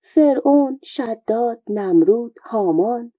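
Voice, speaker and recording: A woman's voice: on the high side, expressive, dry recording, narrow, tinny audio. A woman voicing a sly old male folk joker with a plaintive, mock-innocent manner. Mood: wry.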